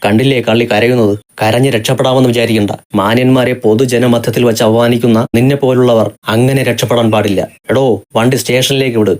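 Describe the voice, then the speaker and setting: A man's voice: medium pitch, steady tone, a little fast, hardly any pauses, darkish tone, lightly acted. A man voicing a heavyset, bullying middle-aged man on a bus, sneering and threatening. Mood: sneering threats.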